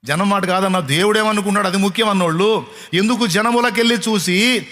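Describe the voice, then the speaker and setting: A man's voice: high voice, fast, sharp tone. A man preaching a sermon, firing rhetorical questions at his listeners and mocking their complaints.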